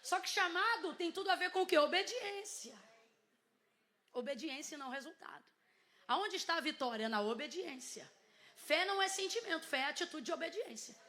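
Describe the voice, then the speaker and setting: A Brazilian woman preaching a sermon on a church stage through a microphone. Her voice is high and bright, and she often rises to a shout. She repeats key words and throws questions back at the crowd. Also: lively intonation, brisk. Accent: Brazilian Portuguese. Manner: shouting, emphatic, repetitive calls and questions to congregation. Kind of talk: Pentecostal sermon. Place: church stage before a congregation. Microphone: handheld or headset microphone with compressor.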